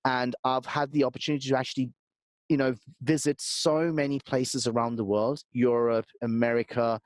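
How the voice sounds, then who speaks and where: A man's voice: medium pitch, flat delivery, normal speed, no room sound. A man from Calcutta, India, whose first language is Bengali, talking earnestly as a podcast guest and often repeating words as he begins a point. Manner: earnest, emphatic, repeats words when starting. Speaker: podcast guest, business strategist. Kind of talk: conversational interview.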